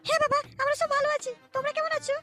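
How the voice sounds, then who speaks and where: A woman's voice: extremely high pitch, little pitch movement, very fast, pushed and bright, soft background music. A woman voicing a young married daughter in a cartoon, weary and dutiful toward her father. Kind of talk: cartoon voice acting.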